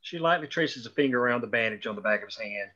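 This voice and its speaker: A man's voice: mid-range voice, lively intonation, fast talker, pushed and bright, muffled recording. A man reading stage directions as scripted narration for a drama table read.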